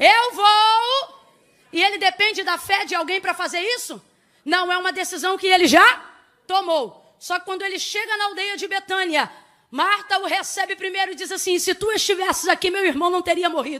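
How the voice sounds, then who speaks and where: In a raised, projected voice with a bright, sharp tone, someone speaks at a moderate pace with ordinary pitch variation against a quiet background. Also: woman, extremely high pitch for a woman. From Brazil. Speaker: missionary preacher. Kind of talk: evangelical Pentecostal sermon, exhorting a congregation about faith and scripture; sermon. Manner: emphatic, repeating phrases for effect; rhetorical questions, rising fervent pulpit cadence. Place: church. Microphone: handheld.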